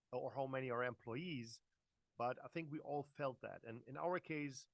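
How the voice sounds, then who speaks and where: A man's voice: medium pitch, fairly bright tone. A man in his forties with a German accent delivers a live online business presentation, with a mid-range voice. He talks loosely and directly to listeners, full of fillers and restarts. The sound is dry, with no room echo. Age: 40s. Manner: chatty, hesitant, many fillers and restarts, addresses the audience directly. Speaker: network marketing presenter.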